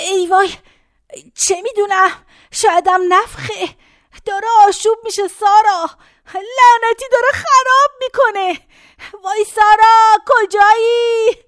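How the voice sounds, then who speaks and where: A woman's voice: extremely high pitch, no room sound, clean studio sound. An actress playing a very old woman in a care home, who rambles folksily between memories and complaints. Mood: pained. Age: older.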